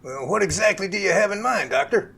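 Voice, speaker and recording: A man's voice: sits high, expressive, fairly quick, vocal fry, crowd noise. A man playing a weary, folksy professor who runs a Bigfoot lab, in an amateur audio drama with an easygoing delivery. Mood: curious, friendly.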